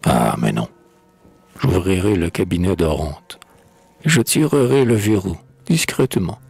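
A man's voice: deep voice, very animated, measured pace, darkish tone, breathy edge, no echo. A man giving a theatrical, declaiming recitation of verse, swinging between sudden rises and drops. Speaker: poetry reader. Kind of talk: dramatic poetry recitation.

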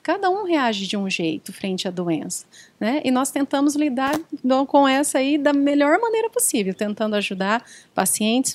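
A woman's voice: fairly high pitch, dry recording. A woman working as a hospital psychologist, answering interview questions in an explanatory way and often quoting patients and their families.

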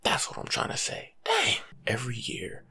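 A young man doing soft-spoken ASMR as a laid-back, rambling life coach, husky and often slipping into a whisper. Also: mid-range voice, huge pitch swings, moderate pace. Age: young adult. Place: small room at home.

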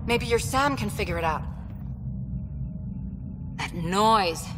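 A woman's voice: mid-range voice, expressive, slow pace, noisy background. A woman acting as an earnest young female lieutenant in a sci-fi video game. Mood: practical, urgent.

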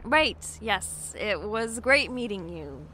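A woman playing a shy, friendly young bookstore worker in an audio drama, soft-spoken and hesitant. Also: mid-range voice, very animated, takes it slowly, slight background noise, exaggerated voice.

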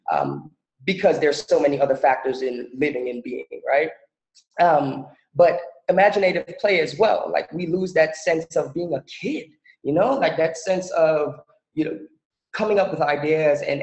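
Man from the Bahamas, somewhat high voice, relaxed and chatty, echoey dull video-call sound. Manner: relaxed, chatty, many fillers. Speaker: presenter. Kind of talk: casual presentation on a video call.

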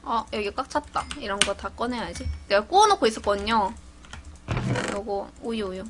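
A woman gaming YouTuber giving casual gameplay commentary, chatty and narrating her own actions with excited exclamations. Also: medium pitch, moderate pace, noisy background.

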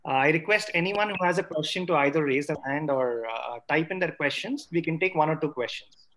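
A man's voice: fairly high pitch, brisk, bright, forceful tone, slight background noise. A man moderating an online question session in a polite, hesitant manner. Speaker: webinar moderator.

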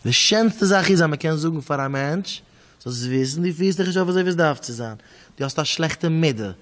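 A man with a Hasidic Yiddish accent preaches a storytelling sermon in a fairly high voice. His delivery swings between soft and loud, and he repeats words as he goes. His voice rings out with a long reverb in a large hall. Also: expressive, normal speed. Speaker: rabbi giving a talk.

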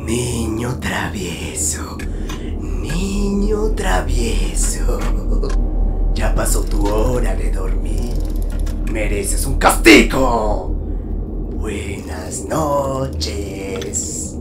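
Creepy, slow, whispery moon robot, Latin American. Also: male voice, fairly low pitch, sing-song, echoey room, loud music behind the voice, voice pushed down, heavily acted. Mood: quiet menace. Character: sinister, menacing male moon animatronic jester. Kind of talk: game character fan dub.

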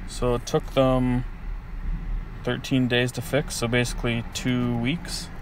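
A man's voice: medium pitch, monotone, unhurried, a little hiss or hum. A man talking casually and offhandedly in a home vlog, recorded on a handheld cell phone, with a little grumbling now and then. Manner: chatty and offhand, with mild grumbling. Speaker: camera vlogger.

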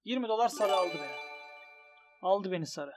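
An excitable young man with a high, light voice talks through his online bets as a gaming YouTuber. He mutters low when things go badly and yells when they go wrong. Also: moderate pace, faint music behind. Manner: excitable, swings from grumbling to shouting at losses. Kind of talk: commentary on an online gambling site.

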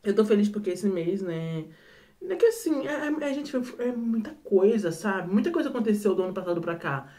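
A man's voice: sits high, expressive, fairly quick, dark tone. A man with a Brazilian accent talking at home in a late-night vlog, chatty and rambling, with many fillers and repeated words. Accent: Brazilian Portuguese. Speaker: vlogger.

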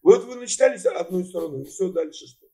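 A man's voice: sits high, expressive, fast, mellow. A man in his seventies on a video call, arguing bluntly and swearing, talking in a dismissive way. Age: 70s. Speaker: chat roulette stranger. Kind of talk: argumentative video chat. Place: indoor room.

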